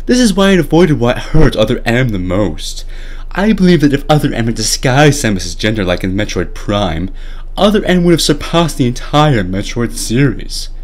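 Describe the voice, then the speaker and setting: A man's voice: mid-range voice, big pitch swings, normal speed, voice pushed down, natural voice. A young man doing a pompous, self-satisfied male game director. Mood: smug, defensive.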